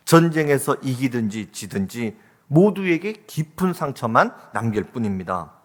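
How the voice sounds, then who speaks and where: A man's voice: on the high side, a bit bright. A man preaching a sermon as pastor in a church sanctuary, exhorting his listeners with rising, impassioned calls. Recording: reverberant church hall.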